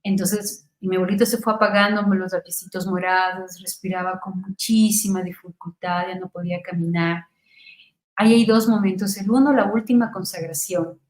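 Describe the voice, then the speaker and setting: A middle-aged woman from Ecuador shares an emotional personal testimony. She speaks fervently, climbing to near-shouts and dropping to soft murmurs, at a medium pitch. The room around her is echoey. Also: fairly even intonation, moderate pace. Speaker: guest giving a testimony.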